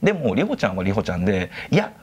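A man's voice: sing-song, racing, darkish tone, slightly rough, highs cut off. A man telling a true ghost story and acting out the quoted dialogue. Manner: acts out quoted dialogue with rising pitch.

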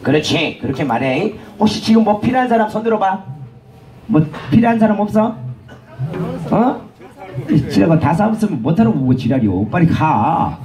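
A high-voiced man with a hawks goods to a festival crowd. His pitch leaps around, and he teases and jokes in rowdy banter with a dark, mellow tone. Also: big pitch swings, moderate pace. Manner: bantering, teasing, shouted cues. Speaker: street performer and vendor. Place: outdoor festival stage.

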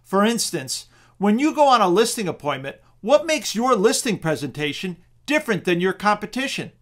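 High-voiced man giving a persuasive pitch. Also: moderate pace. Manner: steady, persuasive sales pitch. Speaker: real estate auction presenter. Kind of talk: scripted webinar narration.

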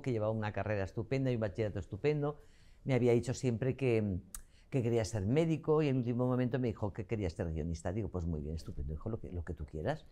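A woman's voice: very deep voice, warm tone. An older woman from Zaragoza, a guest actress telling stories at length in an interview. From Zaragoza, Spain. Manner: chatty, talkative storyteller. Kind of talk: interview conversation.

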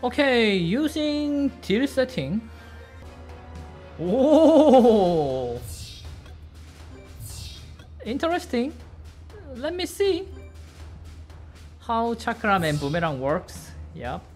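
Faint game music hums under this casual commentary from a Korean-accented streamer in his thirties, a native Korean speaker. His English is simple and halting, and his play brings excitable, high-pitched exclamations; he is indoors at a desk, with the webcam placed beside the game screen.

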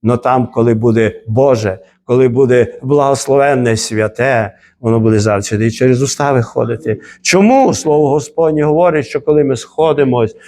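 A man preaching a church sermon as pastor, swinging from quiet reflection to loud, emphatic repeated exhortations. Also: fairly high pitch.

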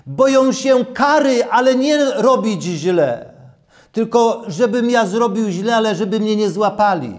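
A man in his sixties preaching a sermon and reading scripture in a deliberate, emphatic way, repeating key phrases. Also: high-pitched, animated. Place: small church room, at a lectern.

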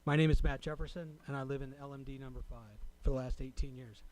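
A man's voice: mid-range voice, fairly even intonation, fast, darkish tone, poor audio. Man giving formal public comment. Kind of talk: prepared public comment speech. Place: city council chamber.

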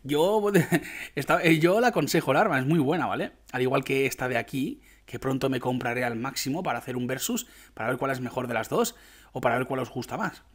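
Excitable young Spaniard commenting gameplay. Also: male voice, mid-range voice, brisk. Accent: Spain Spanish. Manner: excitable, laughs often, chatty asides to viewers. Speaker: gaming YouTuber.

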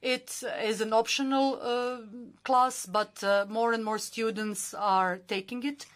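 A woman simultaneously interpreting formal conference speeches, with many filler pauses and a steady, formal delivery. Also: fairly high pitch.

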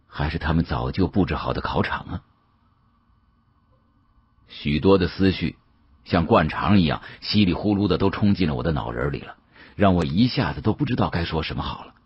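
A man narrating an audiobook as dramatic first-person storytelling, expressive and theatrical, with colloquial asides. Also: deep voice, husky, highs cut off.

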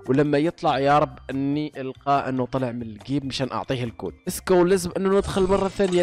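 A young man, giving excitable, boastful commentary over his own gameplay and trash-talking opponents. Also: on the high side. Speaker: gaming YouTuber.

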